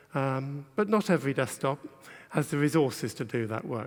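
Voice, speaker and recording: With a British accent and ordinary pitch variation, the speaker comes through over a quiet background. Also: man. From England. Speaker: software engineer, team lead; conference presenter. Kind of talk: conference talk. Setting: stage with audience. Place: stage.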